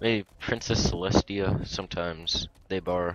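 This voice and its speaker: With fairly even intonation, a man speaks in a very deep, low voice, the sound dry with no echo amid noticeable background noise. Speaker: gamer. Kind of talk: gameplay commentary. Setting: close mic, mic eating. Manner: monotone. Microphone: headset.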